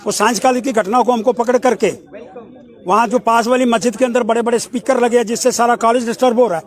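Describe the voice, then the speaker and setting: A man delivering an impassioned protest address in a forceful, demanding, declamatory way. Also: extremely high pitch, fairly even intonation, fast talker. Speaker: protest speaker.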